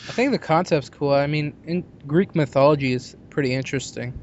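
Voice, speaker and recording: A man's voice: on the high side, fairly quick, darkish tone. A man hosting a podcast in a casual, chatty style. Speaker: podcast host. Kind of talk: casual chat. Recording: dull lo-fi voice chat, noisy.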